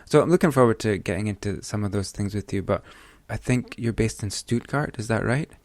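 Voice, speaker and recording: A man's voice: fairly low pitch, fairly quick, darkish tone, no echo. A man hosting a photography podcast, reading a scripted intro and then asking questions in an eager, chatty way with frequent restarts. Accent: Scottish. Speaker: podcast host. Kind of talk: podcast interview.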